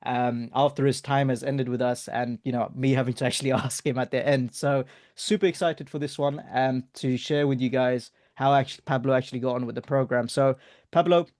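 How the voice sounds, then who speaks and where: A man hosting a client interview, upbeat and quick to laugh as he talks with his guest. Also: medium pitch, darkish tone, no room sound, clean studio sound. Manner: upbeat, laughs often, friendly praise. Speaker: interview host, business coach.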